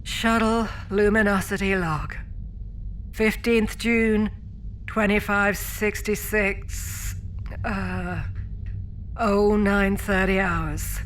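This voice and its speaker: An actress playing a weary but composed starship captain in a science fiction audio drama, speaking in a measured way. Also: female voice, mid-range voice, fairly even intonation, slight background noise. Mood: wistful, formal.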